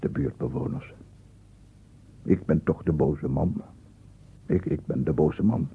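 Casting: obsessive scientist in his sixties, aggrieved and pedantic, very hoarse low voice, radio drama. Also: heavily acted. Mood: agitated, aggrieved. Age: 60s. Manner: pedantic, insistent, repeats himself. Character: aggrieved, unstable 67-year-old bachelor scientist, self-justifying and obsessive. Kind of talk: radio play monologue. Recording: muffled, phone-like old radio recording.

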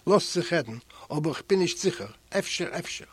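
A man reading aloud voices a warm, fatherly prison guard who speaks gently and a little louder than the narration. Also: a little high, expressive, brisk, slightly rough. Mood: urging.

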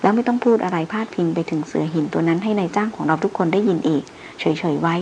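A woman reading as a calm skeptical great hunter. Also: on the low side, gravelly, a little hiss or hum. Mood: measured. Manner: level-headed, measured.

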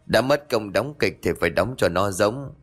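A man voicing a cunning, sharp-tongued old man who scolds and bullies a lodger in a spoken ghost story. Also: fairly low pitch, lively intonation, moderate pace. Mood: scolding. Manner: scolding, blunt.

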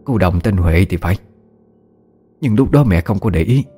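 A man voicing a gentle, worried middle-aged mother who speaks softly and soothingly. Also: low-pitched, animated, moderate pace, breathy edge, faint music behind. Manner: soft, soothing.

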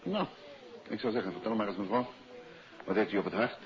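Actor as assured, animated detective on muffled old radio. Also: male voice, on the low side, a crowd in the background, close to an everyday voice. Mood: calm. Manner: confident, emphatic, measured. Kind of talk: 1950s Dutch radio drama acting. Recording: muffled, noisy 1950s radio recording.

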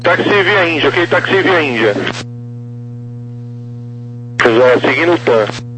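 A man's voice: a little high, lively intonation, moderate pace, pushed and bright. A man working as an air traffic controller, talking over a two-way radio in clipped, formulaic phrases. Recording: noisy radio transmission heard from afar.

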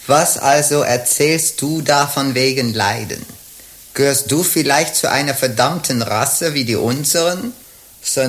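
An actress playing a sly, earthy older Gypsy procuress queen in a radio drama, gravelly, teasing and theatrical. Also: extremely low pitch.

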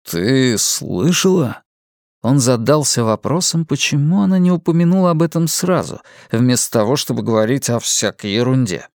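A man narrating a novel as an audiobook in a measured, even storytelling manner. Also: medium pitch, no echo, studio quality.

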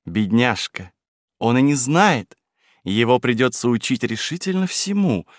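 A man's voice: medium pitch, unhurried, dry recording, clean studio sound, lightly acted. A man putting on a flighty young society wife. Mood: chattering. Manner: chattering, excitable, bossy.

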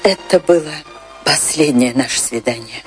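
A woman's voice: rumbling low, faint music behind. An actress playing a passionate, lovelorn woman dancer in a radio drama, speaking with theatrical emotion and wistful grief. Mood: wistful, breathless. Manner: dramatic, slow, emotional delivery.

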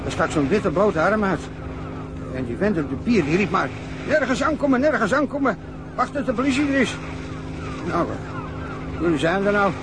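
An actor playing a gruff, irritable dredging-boat worker in a radio drama, blunt and agitated, with engine noise behind. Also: male voice, high voice, sing-song, moderate pace, pauses often.

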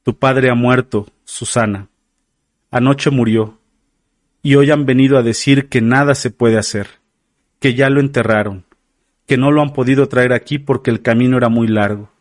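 A man's voice: medium pitch, fairly even intonation, normal speed, no echo, studio quality, close to an everyday voice. A man voicing a devoted older female caretaker in an audiobook, speaking in a soothing, sorrowful way.

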